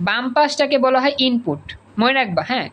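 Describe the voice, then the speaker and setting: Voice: sits high, animated, brisk, dull audio. A woman with a Bangladeshi Bengali accent teaching an online class, repeating points and coaxing students to answer over a video call.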